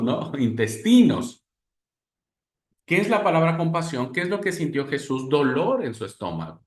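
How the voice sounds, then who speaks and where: A man's voice: mid-range voice, reverberant. A man teaching a class on Christian spirituality like a sermon, calling his listeners brothers and acting out the voices he quotes. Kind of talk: class lecture in a preaching manner.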